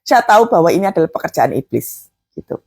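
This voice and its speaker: A woman's voice: fairly low pitch, big pitch swings, fast talker, gravelly, darkish tone, slightly rough. A woman preacher giving an emphatic, exhorting sermon, peppered with filler tags.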